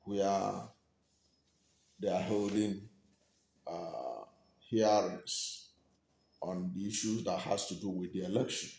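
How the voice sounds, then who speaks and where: A Nigerian man giving news commentary and reading out statements in deliberate, short emphatic phrases. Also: low voice, gravelly, darkish tone. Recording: echoey room.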